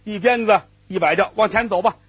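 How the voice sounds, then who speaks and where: A man as a calm, resigned official. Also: sits high, fairly quick, husky, dull audio. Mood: patient. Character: patient male official in a donkey cart.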